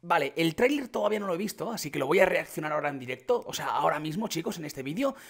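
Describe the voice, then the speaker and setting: A young man with an accent from Spain, reacting to a game update and talking it through for his viewers, keeping his voice down late at night until excitement breaks through. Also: a little high, racing. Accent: Spain Spanish. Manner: hushed and restrained, bursting into excited exclamations. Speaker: gaming youtuber.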